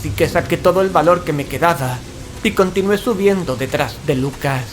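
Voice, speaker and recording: A man's voice: on the high side, fairly quick, a little hiss or hum, natural voice. An actor from playing a fearful male paranormal investigator, telling horror in an anxious, ornate, dramatic way. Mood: tense dread. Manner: anxious, ornate, dread-laden delivery. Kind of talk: dramatic first-person horror narration and radio-play dialogue. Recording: dramatic music, rain and thunder behind. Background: music, rain, thunder.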